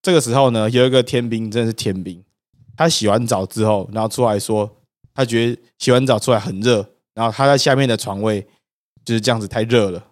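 A man's voice: mid-range voice, fast talker, no room sound, studio quality. A young man with a Taiwanese Mandarin accent, a podcast co-host telling stories and making wry, joking asides. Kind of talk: casual storytelling chat.

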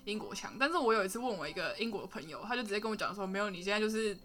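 Bright-voiced young Taiwanese woman host. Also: mid-range voice, rapid-fire, faint music behind. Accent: Taiwanese Mandarin. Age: young adult. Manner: chatty, giggly, hesitant restarts. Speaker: podcast host. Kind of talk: casual interview chat.

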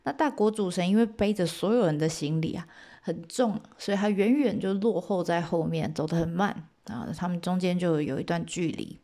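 A woman telling an old myth in a chatty, lively way with asides to her listeners. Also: on the low side, moderate pace. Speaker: storyteller. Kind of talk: casual myth storytelling.

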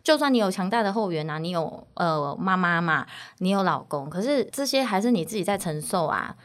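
Fast-talking candid mother with Taiwanese accent. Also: fairly low pitch, expressive. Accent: Taiwanese Mandarin. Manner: candid, chatty, laughs between phrases. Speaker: podcast guest, mother of three. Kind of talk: casual interview talk.

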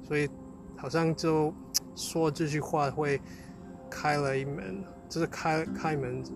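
Casual male co-host, foreign learner with accented Mandarin, halting word-searching delivery, fairly light pitch, prominent music underneath. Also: steady tone, gravelly. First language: not Mandarin, a foreign learner of it. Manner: halting, searches for words, repeats phrases. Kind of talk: casual unscripted chat.

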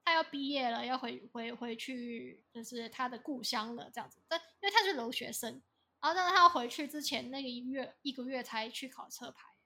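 Bright, high-voiced woman telling stories. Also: brisk. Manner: animated storytelling, quoting others in voices. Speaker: podcast co-host. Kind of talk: casual chat.

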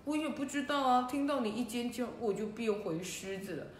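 A woman voicing a friendly puppy who has turned into a big lion, talking gently and plainly in a storybook tale. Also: a little high, brisk, a little hiss or hum, close to an everyday voice. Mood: puzzled. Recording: roomy echo.

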